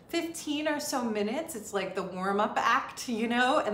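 Over light background noise and audible room echo, a woman speaks at a fairly slow pace. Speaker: sound healing host. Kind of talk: casual live stream chat. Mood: warm, excited. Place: home room.

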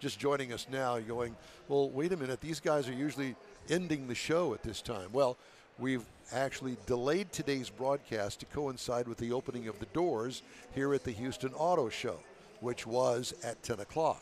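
With ordinary pitch variation and a moderate pace, a man speaks in a dry recording with no echo and light background noise. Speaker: radio show host. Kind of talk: radio talk show banter. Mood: light-hearted, joking. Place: hall. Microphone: headset.

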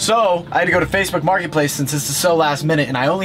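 Light background noise sits under a man speaking with ordinary pitch variation. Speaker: vlogger. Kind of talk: casual vlog chat. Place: car.

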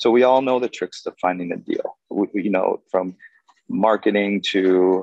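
A man with a Hawaiian accent speaks at a moderate pace. The sound is dry with no echo, and the background is quiet. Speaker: real estate investor. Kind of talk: networking talk presentation. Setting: video call. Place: home room. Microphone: phone near.

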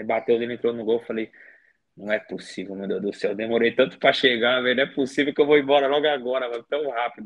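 A man talks at a very fast pace with fairly even intonation and big swings in loudness. The background is quiet. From Brazil, São Paulo state (Francisco Morato). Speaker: futsal goalkeeper. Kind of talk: casual chat. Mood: relaxed, smiling storytelling. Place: home room. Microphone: video call.

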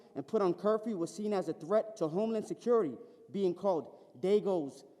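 Loud and with an American accent, a man speaks at a moderate pace in a high pitch for a man. His tone is dark and mellow, and his pitch varies in an ordinary way. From Massachusetts. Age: 30s. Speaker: public commenter, veteran. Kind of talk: public comment. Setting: video call.

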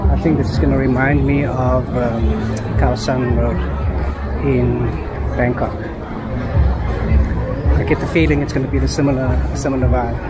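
A man at a moderate pace with long, frequent pauses, crowd noise in the background. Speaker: travel vlogger. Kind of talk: casual vlog chat. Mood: relaxed, amused. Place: street. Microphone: phone near.

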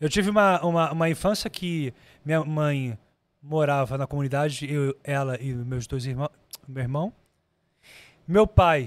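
The speech moves at a moderate pace with long, frequent pauses and ordinary pitch variation. The background is quiet. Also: man. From Rio de Janeiro, Brazil. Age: 40s. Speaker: self-development coach. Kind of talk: interview conversation. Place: studio. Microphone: studio mic.

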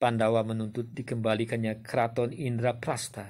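A man's medium-pitched voice in a dramatic, solemn tone at a fairly slow pace, on a very clean recording with a silent background. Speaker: narrator of an epic retelling. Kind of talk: scripted narration of a mythic epic, with dialogue read in character. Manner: dramatic, solemn storyteller pacing.

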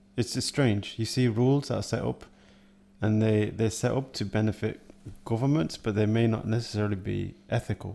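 With a dark, mellow tone and a fairly low pitch, a man talks at a moderate pace using ordinary pitch variation. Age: 30s. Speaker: software colleague and guest; guest. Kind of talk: casual chat. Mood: thoughtful, calm. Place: home room. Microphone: studio mic.

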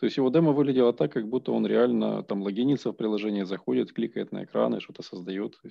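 A man talking at a very fast pace, with hardly any pauses. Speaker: company co-founder. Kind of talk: online group discussion. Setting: video call.

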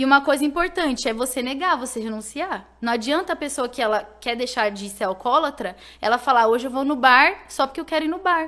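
Against a quiet background, a woman with a high pitch and bright, sharp tone speaks in a raised, projected voice at a fairly quick pace with lively intonation. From São Paulo, Brazil. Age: 20s. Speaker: gospel singer; podcast guest. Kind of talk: testimony. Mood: warm, smiling, reflective. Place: studio. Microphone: studio mic.

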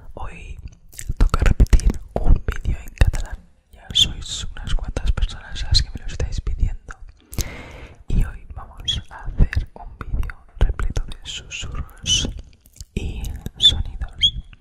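A soft-spoken woman whispering at a very slow pace, with long, frequent pauses, big swings in loudness and noticeable background noise. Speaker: ASMR creator. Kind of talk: whispered ASMR chat. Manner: soft close-mic ASMR whisper. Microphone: studio mic.

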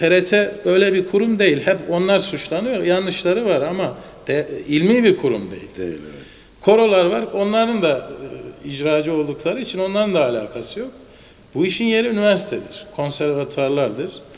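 His voice is high in pitch. The man's intonation is lively. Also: moderate pace. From Turkey, Elazığ; Turkey. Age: 30s. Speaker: anthropologist and lecturer; lecturer. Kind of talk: television interview. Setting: TV studio. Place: home room. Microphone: old recording.

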